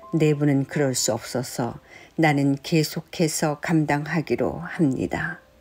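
A woman with a very deep, low voice speaks in a calm tone at a very slow pace. Music plays in the background. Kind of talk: poetry reading. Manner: soft-spoken, calm.

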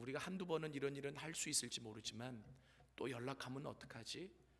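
A man speaks at a moderate pace with ordinary pitch variation. His voice has vocal fry. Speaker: preacher. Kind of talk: sermon. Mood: earnest, moved. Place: church. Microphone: podium.

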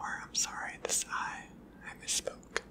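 A man whispers at a very slow pace. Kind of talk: soft roleplay addressing viewer. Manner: soft close ASMR doctor voice. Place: home room. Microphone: phone near.

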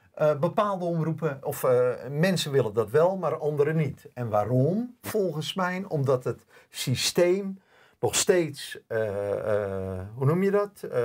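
Very slow speech from a man, fairly high in pitch, with very wide pitch swings. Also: quiet background. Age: 60s. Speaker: documentary filmmaker; guest. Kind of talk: interview. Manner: halting, many hesitations; animated. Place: studio.

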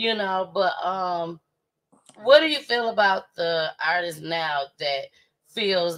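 Against a quiet background, a woman with a fairly low pitch talks at a very slow pace with ordinary pitch variation. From US Midwest. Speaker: show host. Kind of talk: casual interview. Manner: animated. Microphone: studio mic.

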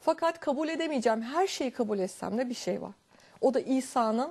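The voice has a dark, mellow tone and lively intonation. Its pace is fairly quick. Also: woman, quiet background. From Turkey. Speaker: guest. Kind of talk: testimony. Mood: earnest, emotional recollection. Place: studio.

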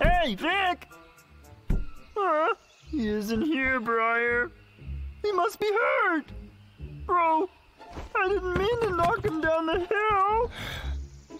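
A put-on character voice speaks at a very slow pace with long, frequent pauses. Clear music plays in the background. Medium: fan dub. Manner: goofy, emotional.

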